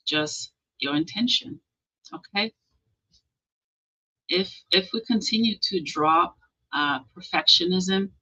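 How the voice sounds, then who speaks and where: A woman hosts a motivational livestream, encouraging viewers, reading out and answering their comments, and often checking in with "okay?" Her medium-pitched voice sounds pushed, bright, and husky, and the recording is muffled.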